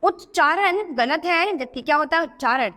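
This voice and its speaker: Her voice is high, a bit bright, and lively in intonation as she teaches spelling corrections to a class. Recorded as a video-book voice-over, she asks questions, answers them on her own, and spells out examples slowly, one word at a time.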